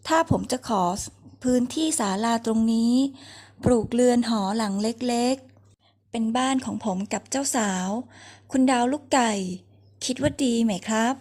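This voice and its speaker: A woman's voice: on the high side, a little slow, a little mellow. A woman voicing a cheerful, polite and naive young man in a storybook reading. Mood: earnest. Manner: polite and eager.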